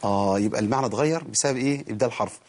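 A man with an Egyptian accent teaching Quran recitation on a TV programme, explaining rules in quick colloquial speech and reciting verses slowly. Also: mid-range voice, darkish tone. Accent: Egyptian Arabic. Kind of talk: TV recitation lesson.

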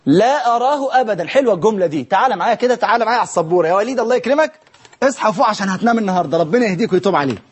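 A man's voice: high voice, expressive, racing, breathy edge. A man with an Egyptian accent teaching grammar on a broadcast lesson, asking questions and answering them himself with playful scolding. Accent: Egyptian Arabic.

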